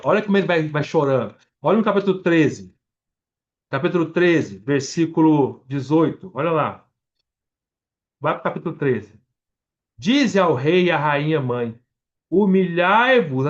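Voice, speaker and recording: With a fairly high voice on a muffled recording, a Brazilian preacher with a Brazilian Portuguese accent goes through scripture verse by verse in a Bible-study sermon. He talks straight to the congregation, explaining as he reads and occasionally restarting words.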